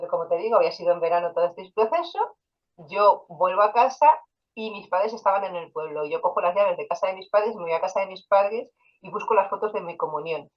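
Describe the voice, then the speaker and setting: In lo-fi audio, a woman with a mid-range voice, a hypnotherapist and interview guest, shares personal stories in a relaxed way. She quotes dialogue along the way and uses fillers.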